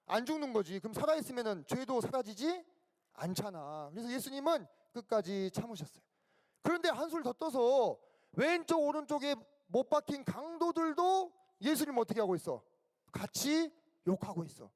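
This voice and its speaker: A man teaching a children's Bible camp sermon, telling the story with lively, questioning storytelling. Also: extremely high pitch, moderate pace. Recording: echoey hall.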